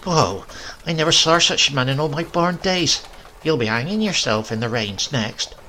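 A man putting on a sharp-tongued old grandmother. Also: fairly high pitch, lively intonation, normal speed, a little hiss or hum, voice pushed up. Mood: scolding. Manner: scolding, bossy.

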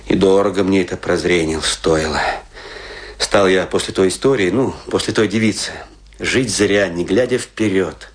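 A man playing a disillusioned, drunken provincial stage actor, self-mocking and brooding, in a theatrical radio drama monologue that rambles with pauses. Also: fairly low pitch, a bit bright, slightly rough. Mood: bitter, anguished.

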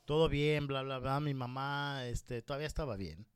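Mexican man telling a story, clear voice. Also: mid-range voice, normal speed, dry recording. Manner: lively anecdotal, acts out quoted voices. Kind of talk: casual storytelling chat.

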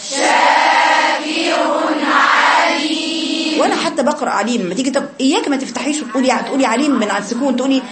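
An Egyptian woman teaching Quran recitation to a class, correcting students and demonstrating drawn-out chanted syllables. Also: sits high. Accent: Egyptian Arabic.

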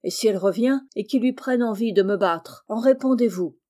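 A woman reading the part of a rough, jolly carter with loud, rustic country speech. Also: on the high side, normal speed, close to an everyday voice. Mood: blustering.

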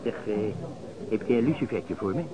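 An actor playing a gossipy, grumbling itinerant chair-caner in a radio play, slangy and familiar, with a Netherlands Dutch accent. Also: male voice, mid-range voice, brisk, natural voice, low-quality recording. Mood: complaining. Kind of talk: radio drama dialogue. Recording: busy crowd chatter behind.

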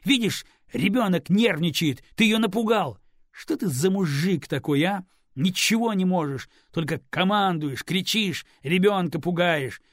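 A man's voice: on the high side, lively intonation, normal speed, vocal fry, darkish tone, dry recording, studio quality, voice pushed up. A man voicing a tipsy young mother who scolds her partner and coos baby talk to her infant. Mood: angry.

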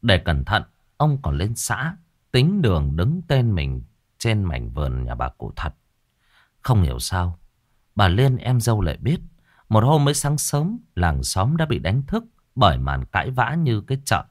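A man narrating a village folk story in a lively, colloquial way. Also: low voice, a little slow.

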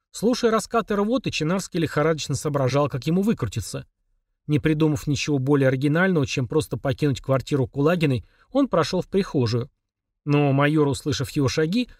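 Lively male audiobook narrator. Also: on the high side, no room sound, clean studio sound. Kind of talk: scripted narration.

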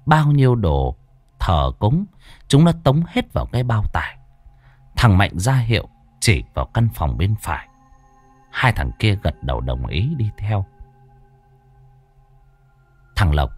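A man's voice: on the low side, a little mellow, no echo. A man narrating a ghost story in a dramatic storytelling manner. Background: faint background music.

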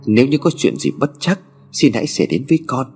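Frail, worried old mother, as a male storyteller puts her on, low murmur over lively melodic swings. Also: a little fast, breathy edge, faint music behind, exaggerated voice. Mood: pleading prayer. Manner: murmured, pleading. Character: anxious elderly mother praying for her daughter.

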